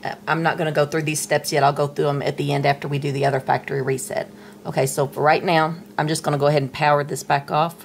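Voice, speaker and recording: Brief: middle-aged woman, low voice, patient tutorial host narrating hands-on steps, faint hiss. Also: flat delivery, fast talker, creaky. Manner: patient, chatty, talks while handling the device. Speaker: tech tutorial presenter. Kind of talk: casual step-by-step tutorial. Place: indoors at a table, dim room.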